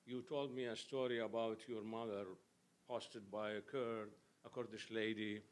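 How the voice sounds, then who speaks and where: A man's voice: fairly low pitch, little pitch movement, unhurried, slight background noise. A man from Iraq in the audience, telling an earnest, emphatic story and asking the speaker a question. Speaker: audience member.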